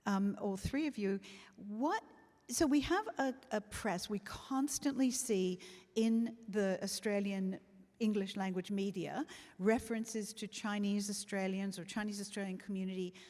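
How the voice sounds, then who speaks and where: A woman's voice: medium pitch, darkish tone, big-room sound. A woman moderating a panel who rephrases her questions as she asks them. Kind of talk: panel discussion.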